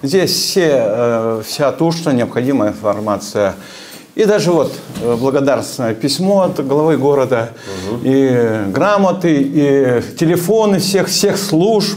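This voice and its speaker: Over noticeable background noise, a man speaks at a very slow pace and fairly high pitch with very wide pitch swings and very even loudness. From Russian Far East. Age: 70s. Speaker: homeowners' association chairman. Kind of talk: interview storytelling.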